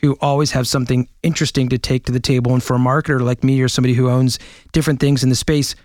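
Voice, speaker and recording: A man's voice: mid-range voice, little pitch movement, racing, a little mellow, no echo, clean studio sound. A man hosting a marketing podcast, chatting with enthusiasm and frequent restarts. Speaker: podcast host. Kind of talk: podcast interview. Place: New York studio.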